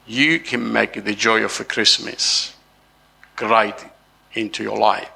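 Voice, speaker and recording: A man's voice: on the low side, fairly even intonation, slow, gravelly, pushed and bright, breathy edge. A man with an Italian accent preaching a jovial, laughing Christmas sermon as pastor, dropping frequent amens.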